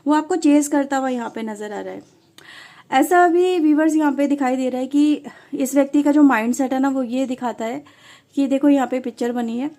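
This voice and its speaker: A woman gives a tarot reading in a relaxed, conversational way, often speaking straight to her viewers. Her voice sits high but sounds mellow and soft rather than bright. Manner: conversational, mixes English words, addresses viewers often. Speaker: tarot reader.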